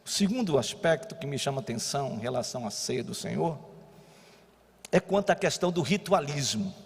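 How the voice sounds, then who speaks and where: A Brazilian pastor preaching a sermon, moving between quiet teaching and loud exhortation. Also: male voice, mid-range voice, lively intonation, brisk, creaky, breathy edge. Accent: Brazilian Portuguese. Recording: long church hall reverb.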